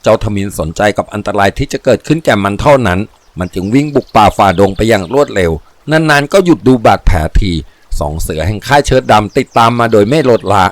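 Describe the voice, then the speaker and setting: A man narrating a crime adventure novel in a steady, vivid storytelling voice. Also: fairly low pitch, fairly quick, few pauses, no echo. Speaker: audiobook narrator. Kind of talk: dramatic audiobook reading.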